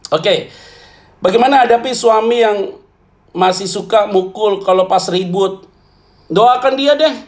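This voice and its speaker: High-voiced blunt joking pastor, a man. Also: creaky. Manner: blunt, joking, colloquial, calls listeners "saudara". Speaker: pastor answering questions. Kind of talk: church Q&A talk.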